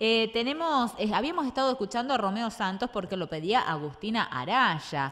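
Vocal fry runs through speech delivered at a moderate pace with very wide pitch swings. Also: woman, fairly high pitch for a woman. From Argentina. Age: 30s. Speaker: local radio and TV host; local radio, TV host. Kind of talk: casual chat. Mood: cheerful, nostalgic. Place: studio. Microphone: studio mic.

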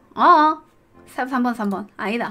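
Very slowly, a woman speaks while faint music plays in the background. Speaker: streamer. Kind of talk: casual livestream talk while doing a quiz. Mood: playful, puzzled. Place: home room. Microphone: studio mic.

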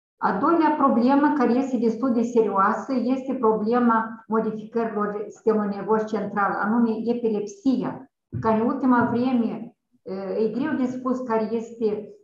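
At a fairly slow pace, a woman speaks with a fairly high pitch and fairly even intonation amid audible room echo. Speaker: academician, medical researcher; presenter. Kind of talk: lecture. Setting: video call. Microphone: video call.

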